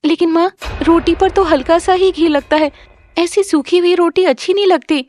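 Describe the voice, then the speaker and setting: A woman voicing a gentle, pleading young stepdaughter in an animated story. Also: very high voice, moderate pace, no room sound, studio quality, voice pushed up. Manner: pleading, soft-spoken.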